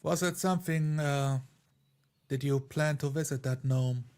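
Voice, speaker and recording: A man with a mid-pitched voice takes part in a tabletop roleplaying game. He speaks slowly with flat intonation, switching between his character's dialogue and first-person description of his actions. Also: smooth.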